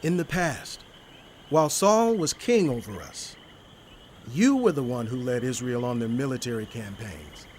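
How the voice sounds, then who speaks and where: Guy as a solemn tribal elder, slow lively delivery, audio drama with faint cricket ambience. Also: mid-range voice, slight background noise, close to an everyday voice. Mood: solemn, loyal. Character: earnest tribal elder pledging loyalty to king.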